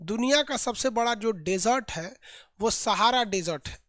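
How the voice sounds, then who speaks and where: A man teaching an online geography class, lively and colloquial, drilling names by repetition. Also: sits high, moderate pace, no echo, clean studio sound.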